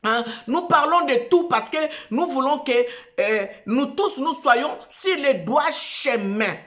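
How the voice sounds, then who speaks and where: A woman hosts her own show, speaking in a slow and emphatic way. She repeats herself and restarts phrases as she preaches. Her voice sits a little high. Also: animated, a bit bright. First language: Lingala. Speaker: host of an online show. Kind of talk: preaching talk show monologue.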